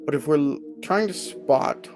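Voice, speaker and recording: A man's voice: fairly high pitch, unhurried, music in the background. A man hosting a live stream as an HR consultant, talking casually and often checking in with "right?". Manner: conversational, self-correcting, asks "right?" often. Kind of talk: casual livestream talk.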